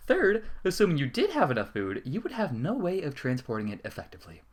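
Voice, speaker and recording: A man's voice: a little high, wildly swooping pitch, quick pace. A man giving a dramatic, formal reading of a fan fiction letter as narrator, with the odd stumble.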